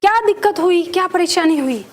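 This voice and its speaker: A woman's voice: very high-pitched, brisk, a little hiss or hum. An Indian woman teaching a lesson in a patient, step-by-step way, often checking that her students follow. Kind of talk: classroom lesson.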